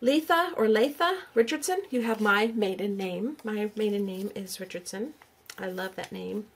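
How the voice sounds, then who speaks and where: A middle-aged woman, a YouTube crafter, hosts a giveaway in a casual on-camera vlog chat. Her mid-range voice is slightly rough and moves at a moderate pace as she sounds out names aloud and asks viewers questions.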